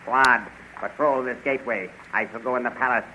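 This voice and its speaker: A man's voice: medium pitch, steady tone, a little fast, close to an everyday voice. An actor playing a domineering, suspicious villain king, barking scornful commands in a 1930s radio serial. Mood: commanding. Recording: muffled, noisy 1930s radio recording.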